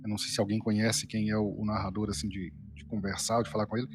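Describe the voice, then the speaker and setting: A man's voice: lowish voice, flat delivery, fast talker. A Brazilian man making casual comments as a panelist in a review chat. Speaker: panelist on a reaction show. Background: music.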